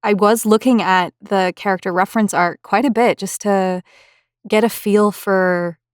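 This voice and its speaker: A woman's voice: medium pitch, steady tone, a little slow, clean tone, no room sound, studio quality. A woman conducting a casual interview as the interviewer, asking questions and chatting about the work. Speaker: interviewer, voice actor.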